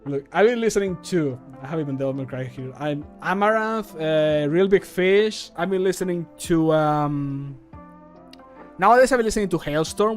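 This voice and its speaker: Higher-pitched man chatting over music. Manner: rambling, swears casually, often chuckling. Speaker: streamer and mod maker. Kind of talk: casual livestream chat. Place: small home room, indoors. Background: background music.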